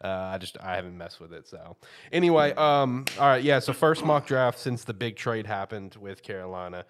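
A man with a fairly low voice hosts a casual sports podcast. He rambles in a loose, chatty way, full of fillers and quick laughs. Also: lively intonation, slight background noise. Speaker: podcast host.

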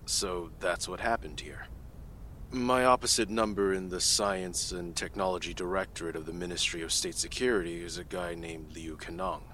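A man's voice: sits low, steady tone, normal speed, sharp tone, slight background noise. An actor playing a male government analyst giving testimony in a casual, offhand manner. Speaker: CIA technical analyst testifying. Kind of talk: audio drama acting.

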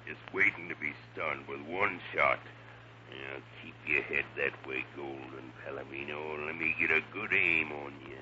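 Very deep, gloating villain. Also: male voice, normal speed, sharp tone, slight background noise, exaggerated voice. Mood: gloating, stealthy. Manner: gloating, sinister. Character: menacing bearded horse thief villain. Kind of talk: 1950s radio adventure serial acting. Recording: narrow, humming old radio recording.

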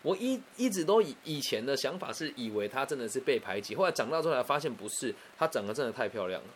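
Fast-talking Taiwanese man telling a story. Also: medium pitch, a little hiss or hum. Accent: Taiwanese Mandarin. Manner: chatty, animated, frequent restarts and asides. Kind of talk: casual personal storytelling.

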